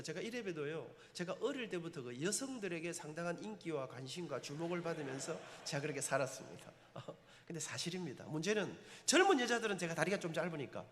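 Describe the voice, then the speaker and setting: A middle-aged man, a church elder with a Gyeongsang accent, giving an impassioned testimony sermon. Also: a little high. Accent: Gyeongsang Korean. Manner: impassioned, emotional storytelling with dialect turns. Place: church sanctuary. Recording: long reverb in church sanctuary.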